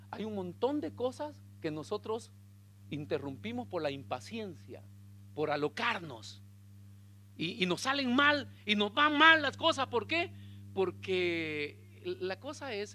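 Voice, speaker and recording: High, animated preaching man. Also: a little hiss or hum. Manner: animated storytelling preacher, addresses listeners as brother. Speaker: pastor. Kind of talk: sermon.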